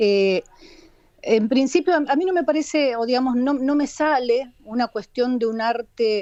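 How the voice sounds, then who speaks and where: This woman speaks at a high pitch with a dark, mellow tone. She has a Rioplatense accent and ordinary pitch variation. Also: fairly slow pace. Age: 60s. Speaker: actress and university teacher. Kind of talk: radio interview. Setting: call into radio show.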